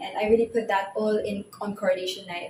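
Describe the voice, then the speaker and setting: Delivered at a fairly quick pace with fairly even intonation, the speech comes with noticeable background noise. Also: woman. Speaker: beauty pageant winner. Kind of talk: interview. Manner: soft-spoken.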